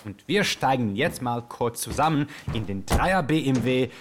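An actor playing an excitable, euphoric Yugoslav male radio host with a theatrical, rambling way of moderating a live show. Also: mid-range voice, normal speed, background noise, close to an everyday voice. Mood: exuberant. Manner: theatrical, rambling, exuberant, switching from hushed to shouting. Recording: music behind the voice. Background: music.

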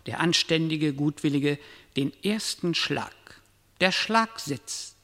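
A grave, moralising male storyteller in a literary radio play. His raised, fairly high voice rings with long reverb as he declaims solemnly and ominously. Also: a bit bright. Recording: long reverberant hall echo.

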